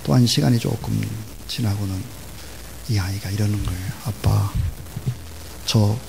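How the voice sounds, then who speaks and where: A man preaching a sermon as pastor, emphatic, swinging between loud stresses and quiet asides, asking the congregation to repeat after him. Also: fairly low pitch, brisk, vocal fry, noisy background.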